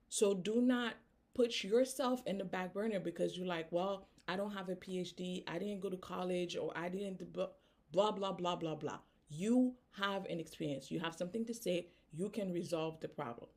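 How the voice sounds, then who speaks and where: A woman's voice: on the low side, darkish tone. A woman from Haiti with a Haitian accent, giving an earnest motivational talk and tagging her points with "right?". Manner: earnest, tags statements with "right?". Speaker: business coach.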